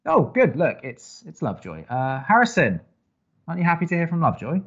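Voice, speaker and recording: A man acting as a young college radio co-host, dry, skeptical and sarcastic, with halting delivery in an audio drama. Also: fairly high pitch, huge pitch swings, a bit bright, husky, lo-fi sound, faint music behind, full character voice. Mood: awkward, flustered. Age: young adult. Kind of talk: naturalistic audio drama banter.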